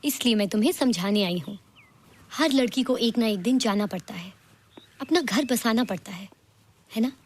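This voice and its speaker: A gentle, sensible young woman. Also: fairly high pitch, animated, normal speed, pauses often, breathy edge. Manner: patient, gentle, explaining. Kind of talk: film dialogue.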